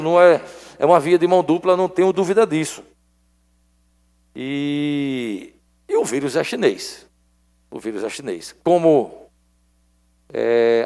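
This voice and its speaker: A man addresses the assembly, pressing his points and repeating them for weight. His voice sits somewhat high. A long reverb from the chamber trails every phrase. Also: creaky, a little mellow. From Alagoas, Brazil. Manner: emphatic, repeats points for stress. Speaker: state legislator. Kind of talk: parliamentary floor speech.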